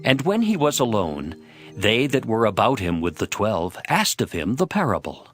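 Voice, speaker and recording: A man's voice: fairly low pitch, wildly swooping pitch, moderate pace. A man narrating a scripted, dramatized scripture reading. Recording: faint music behind the voice. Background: music.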